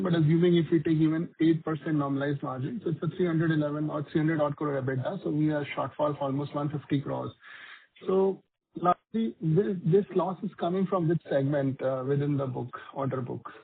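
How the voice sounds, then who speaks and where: Gravelly Indian-accented male analyst, higher-pitched, on phone. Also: brisk. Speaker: financial analyst asking questions. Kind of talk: unscripted investor questioning. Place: conference call. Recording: rough, tinny conference phone line.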